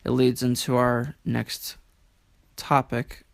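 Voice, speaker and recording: Man, medium pitch, creaky voice, stammering delivery, formal wording, reflective interview guest. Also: level tone, no echo. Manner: halting, stammering, repeats words, somewhat formal wording.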